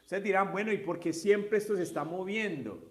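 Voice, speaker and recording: A man's voice: high voice, expressive, fairly quick. A man teaching English grammar to a class, explaining step by step, mixing Spanish with English examples and often asking "¿sí?" to check understanding. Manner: patient, step-by-step, asks students checking questions.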